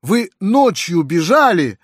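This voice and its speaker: A man reading an audiobook, voicing a shrill, furious middle-aged noblewoman in an indignant screeching tirade. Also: animated, normal speed, darkish tone, breathy edge, no room sound, clean studio sound. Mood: shrieking rage. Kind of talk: audiobook character voice.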